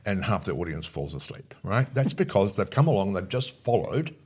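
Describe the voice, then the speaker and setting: A man's voice: deep voice, sing-song, normal speed, a little mellow, slightly rough. A man talking as a coach in a conversational interview, explaining his points emphatically and often punctuating them with short check questions. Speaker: speaker coach, interview guest.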